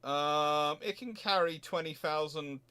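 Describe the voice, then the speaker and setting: A man's voice: on the high side, measured pace, pushed and bright, clear, resonant tone. A man hosting an off-the-cuff explanatory talk, emphatic and digressive, often correcting himself as he goes. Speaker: host answering audience questions.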